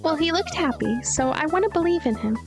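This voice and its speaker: Woman voicing Yoru, high-pitched energetic cheerful girl. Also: brisk, music in the background. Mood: bright, friendly. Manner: loud, eager, playful.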